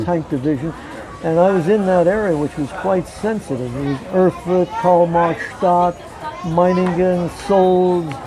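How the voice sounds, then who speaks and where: A man with a high pitch talks at a fairly slow pace, with ordinary pitch variation and noticeable background noise. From United States. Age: 80s+. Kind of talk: interview answer. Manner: hesitant, many fillers.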